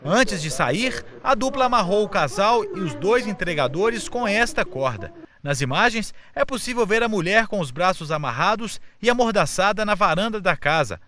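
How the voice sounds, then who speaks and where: A male reporter with a Brazilian accent reading a scripted news voice-over in a measured, neutral way. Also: high voice, big pitch swings, bright, forceful tone. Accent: Brazilian Portuguese.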